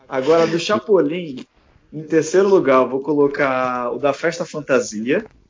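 Here is a man with a plain, everyday voice, fairly high in pitch. He speaks at a fairly slow pace with ordinary pitch variation. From Rio de Janeiro, Brazil. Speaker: pop culture podcast panelist. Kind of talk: casual chat.

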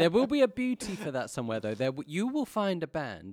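Spoken in a southern English accent with very wide pitch swings, the voice has a dry, close sound with no echo. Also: man, very clean recording, silent background. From England, Bedford. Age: 30s. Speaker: podcast host. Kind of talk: casual interview. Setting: recording studio.

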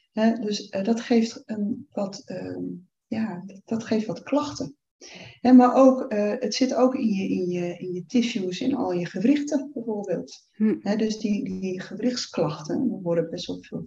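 Somewhat breathy and dark, mellow in tone, a woman speaks at a fairly slow pace and medium pitch with lively intonation. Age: 50s. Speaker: menopause specialist, sociologist. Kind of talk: interview, explaining.

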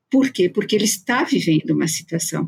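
The sound is dry and close with no echo as a woman speaks in a somewhat breathy voice. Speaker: nursing director. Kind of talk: casual chat.

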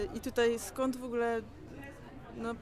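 Speaking at a fairly slow pace with fairly high pitch, a woman is heard with audible room echo. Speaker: radio interviewer. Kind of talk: casual interview. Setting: crowded club venue.

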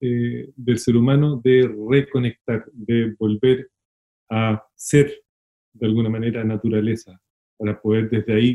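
A man at medium pitch, very slow, with a dark, mellow tone. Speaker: podcast host. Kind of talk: interview.

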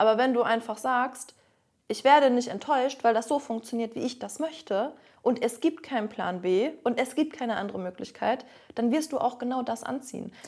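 A woman with a high voice speaks at a moderate speed, her pitch varying in an ordinary way. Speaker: spiritual podcast co-host. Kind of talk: casual chat. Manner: halting.

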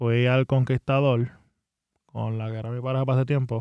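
The intonation is flat and monotone. It comes from a man speaking at a medium pitch. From Puerto Rico, Cabo Rojo (west). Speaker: podcast co-host. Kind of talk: casual chat.

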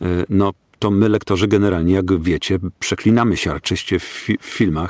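Recorded very cleanly against a silent background, a man with a fairly low pitch speaks at a fairly quick pace. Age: 50s. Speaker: voice-over narrator. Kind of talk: casual chat.

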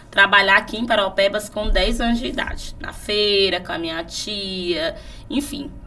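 Noticeable background noise sits behind a woman who speaks at a moderate pace with very wide pitch swings. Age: 30s. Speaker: sex educator and sex shop owner. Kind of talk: casual chat.

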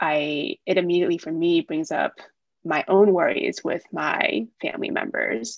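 A woman speaks in a Shanghai accent. Her pace is moderate. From Brooklyn, New York. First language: Shanghainese. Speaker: music teacher, pianist. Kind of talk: casual interview chat.

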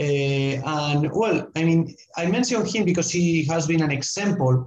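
This man has a Spanish accent and a somewhat breathy voice. He speaks at a moderate pace. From Spain. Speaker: basketball coach and sporting director. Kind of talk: monologue talk. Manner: halting.

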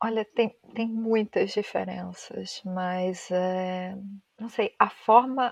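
A woman at a very slow pace, monotone and flat, in a dry, close sound with no echo against a quiet background. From Brazil. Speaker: Brazilian expat interviewee. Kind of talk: casual interview. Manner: halting, many fillers.

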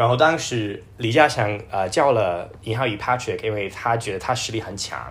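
Amid noticeable background noise, a man speaks at a moderate pace with hardly any pauses, medium in pitch with ordinary variation. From US, Seattle. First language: English (speaking Chinese). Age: 20s. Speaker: talent show contestant and English teacher. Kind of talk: podcast interview. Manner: hesitant, many fillers.

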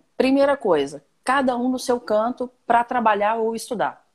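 A woman with a normal speaking voice talks at a fairly slow pace in a fairly high pitch. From Minas Gerais, Brazil (Itaúna). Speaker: speech therapist hosting live talk show. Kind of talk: casual chat. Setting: live stream video call.

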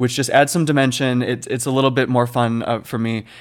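At a fairly quick pace, a plain, everyday voice comes through on a very clean recording with a silent background. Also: man. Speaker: podcast co-host, cook. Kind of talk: casual chat, podcast interview.

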